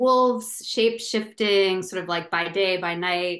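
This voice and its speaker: There is a quiet background behind this woman's voice. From US Northeast. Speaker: performance artist. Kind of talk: interview. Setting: video call. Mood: warm, reflective. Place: home room. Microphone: video call.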